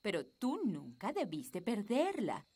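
Prim fairy nanny, swooping intonation. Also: female voice, medium pitch, huge pitch swings, mellow, slightly rough, full character voice. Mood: prim, stern. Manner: prim, measured, instructive. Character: strict but fair grown-up fairy nanny. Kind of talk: children's cartoon dub.

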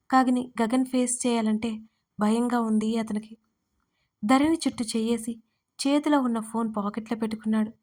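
A woman narrating an audio story in a steady storytelling manner. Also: fairly high pitch. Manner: steady storytelling, reads every character's lines.

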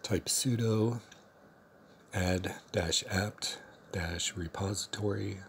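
A man narrating a step-by-step software tutorial in a plain, instructional manner. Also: deep voice, slow pace, slight background noise. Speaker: tutorial presenter.

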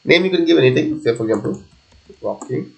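A male software instructor with noticeable fry in his voice. He narrates an unscripted screencast step by step, pausing and thinking aloud as he goes. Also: fairly high pitch, lively intonation. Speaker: software tutorial presenter. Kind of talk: unscripted screencast coding tutorial.

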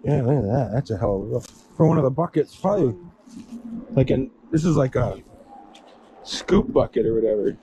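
Loud wind muffles this outdoor recording of a middle-aged vlogger on a windy beach. His mid-range voice is expressive and brisk, broken by long pauses, as he rambles casually and points things out while walking.

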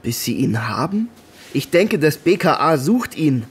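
An actor in an audio drama playing a distrustful, defiant male ex-soldier with a husky, challenging delivery. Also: fairly high pitch, sing-song, a little slow, full character voice. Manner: sceptical, challenging.

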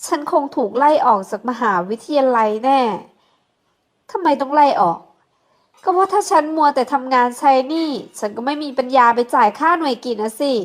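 Woman reads young female student, poor and defiant, high and sulky, storybook heroine. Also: expressive, moderate pace.

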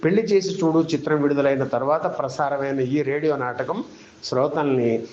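A man's voice: on the high side, moderate pace, darkish tone. A man reading a scripted storytelling narration. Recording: dull, roomy echo, faint noise.

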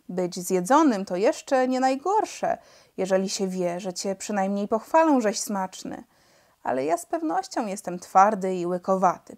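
A woman voicing a calm, wry male pilot who has lost his legs, in a storybook reading. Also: medium pitch, lightly acted. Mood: joking. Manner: wry, matter-of-fact banter. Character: calm legless male pilot, dry joker.

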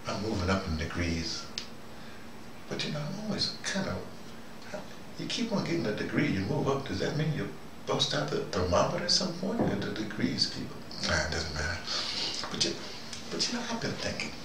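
A man's voice: fairly low pitch, wildly swooping pitch, moderate pace. An older American man giving a rambling, conversational monologue in a wry, musing, self-questioning manner. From United States. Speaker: host. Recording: echoey room, noisy, distant mic.

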